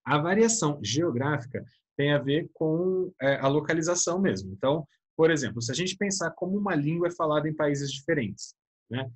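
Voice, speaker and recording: A man's voice: fairly high pitch, lively intonation, brisk, breathy edge. A man with a Brazilian Portuguese accent teaching a casual online class, chatty and informal, constantly checking in with his students. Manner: chatty, keeps adding "né?" and addressing students as "galera".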